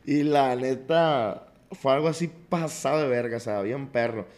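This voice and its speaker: A man's voice: mid-range voice, moderate pace, a little mellow. Laid-back man. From Mexicali, Mexico. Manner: slangy, laid-back storytelling. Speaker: guest singer. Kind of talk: casual podcast chat.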